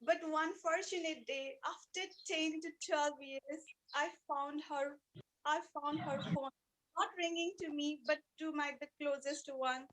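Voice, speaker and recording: High-pitched woman giving an earnest speech. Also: fairly even intonation, a bit bright, rough recording. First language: not English. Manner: earnest, emotive, deliberate with repeated phrases. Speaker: speech club participant giving a practice speech. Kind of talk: rehearsed personal storytelling speech.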